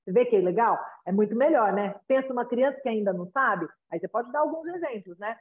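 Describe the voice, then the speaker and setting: A woman's voice: fairly high pitch, expressive, quick pace. A woman with a Brazilian accent, a parenting consultant advising parents in a conversational way, often checking in with tag questions and acting out little exchanges between parent and child. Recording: tinny phone-like line.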